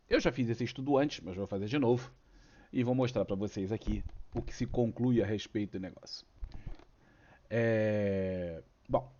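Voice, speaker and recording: A man's voice: medium pitch, darkish tone, lo-fi sound. A Brazilian man with a cold and a cough, hosting a casual stock market chart talk full of rhetorical questions. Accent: Brazilian Portuguese. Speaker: host of a stock market channel.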